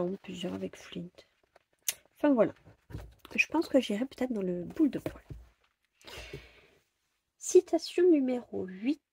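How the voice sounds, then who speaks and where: A woman's voice: medium pitch, gravelly, warm tone, breathy edge, dry recording. A woman chatting casually about her coloring plans, hesitant, with many fillers and repeated words. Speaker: coloring vlogger.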